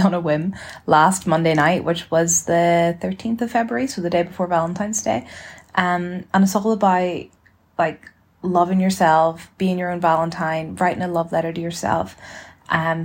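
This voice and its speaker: Woman in her twenties, lowish voice, a little husky, relaxed, informal chatty podcast host. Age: 20s. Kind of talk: casual solo podcast talk.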